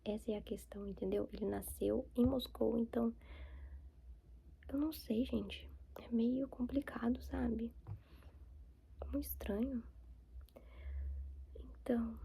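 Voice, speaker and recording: A woman's voice: fairly high pitch, steady tone, measured pace, gravelly, pauses often, dark tone, slight background noise. A young woman with a Brazilian accent, whispering a rambling ASMR chat to her viewers with many fillers. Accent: Brazilian Portuguese. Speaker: ASMR creator.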